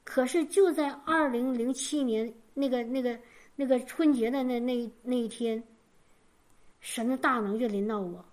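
A woman's voice: fairly high pitch, normal speed, a little mellow. A woman preaching a sermon and giving her personal testimony, fervent, repeating key phrases for emphasis, often stammering and restarting.

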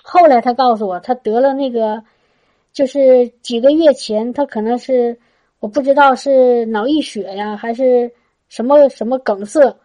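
A woman's voice: on the high side, moderate pace, dark tone, dull audio. A woman telling a testimony to a congregation in a chatty way, with frequent restarts and a tag particle at the end of her phrases. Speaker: church speaker giving a testimony.

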